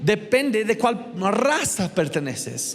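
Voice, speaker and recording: A man with a high pitch, in audible room echo. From northern US. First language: English (speaking Spanish). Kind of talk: lecture. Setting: church with audience. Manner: animated.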